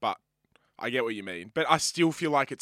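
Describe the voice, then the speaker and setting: Against a silent background on a very clean recording, a man with an Australian accent has a bright, sharp tone. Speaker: podcast co-host. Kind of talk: casual chat.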